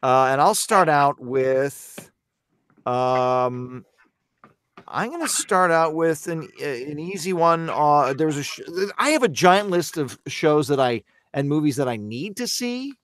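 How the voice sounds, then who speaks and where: A man's voice: on the high side, animated, slow, fairly bright tone, clear, resonant tone, dry recording, studio quality. Male podcast host, rambling casual chat, resonant voice. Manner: rambling, friendly, loses his words. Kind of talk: casual group chat over mics.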